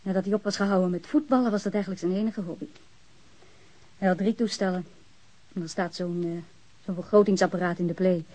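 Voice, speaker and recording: A woman's voice: lowish voice, steady tone, brisk, pauses often, dark tone, lightly acted, rough recording. A woman playing a defiant, grieving bereaved woman in a Dutch radio drama, curt, sarcastic and defensive. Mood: subdued.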